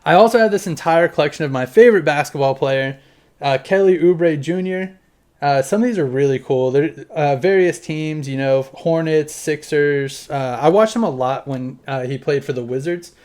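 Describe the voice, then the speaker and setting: A man's voice: on the high side, normal speed, darkish tone. A man in his thirties talking casually to camera at home, showing off his collection in a loose, rambling way and swearing now and then. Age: 30s. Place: home room with collection on display.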